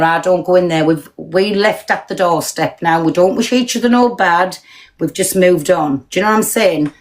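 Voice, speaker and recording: A woman's voice: mid-range voice, poor audio. Blunt, sweary British woman ranting. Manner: blunt, sweary, fast-talking and confrontational. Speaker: TikTok live streamer. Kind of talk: ranting live stream chat.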